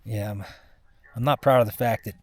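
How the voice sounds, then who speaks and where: Weary, exhausted man talking haltingly. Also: fairly low pitch, fairly even intonation. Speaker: mountain climber recording a personal expedition vlog. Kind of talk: casual first-person vlog monologue.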